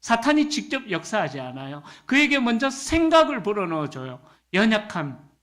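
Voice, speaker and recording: A man's voice: sits high, sing-song, moderate pace, fairly bright tone. A middle-aged male pastor preaching at a Friday prayer meeting. He talks in a conversational way, often asks the congregation to agree, and acts out the lines he quotes with humor.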